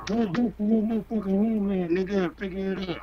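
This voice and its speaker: A man's voice: high-pitched, fairly even intonation, fast, a loud crowd. A man arguing in a heated live-stream debate, aggressive and profane, hammering the same taunts again and again. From United States. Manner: aggressive, profane, taunting, repeats his jabs. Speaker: debate participant. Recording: dull lo-fi stream audio.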